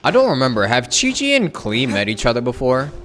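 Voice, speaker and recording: A man's voice: medium pitch, huge pitch swings, a little fast, fairly bright tone. A man doing casual livestream commentary on a game while chatting with viewers, close on the mic. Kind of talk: casual gameplay commentary and chat reading. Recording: game music behind the voice.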